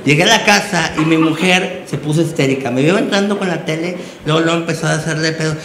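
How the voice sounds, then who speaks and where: A man's voice: fairly high pitch, quick pace, fairly bright tone. A man with a Mexican accent doing a stand-up comedy monologue, brash and slangy, acting out his story. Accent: Mexican Spanish. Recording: echoey room with background noise.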